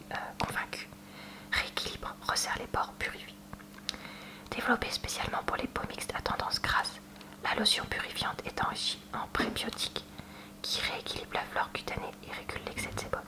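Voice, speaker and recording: A woman speaking in a soft, breathy whisper, presenting products in an unhurried ASMR unboxing style with hesitant asides. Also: low-quality recording. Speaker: ASMR video creator showing purchases. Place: at home.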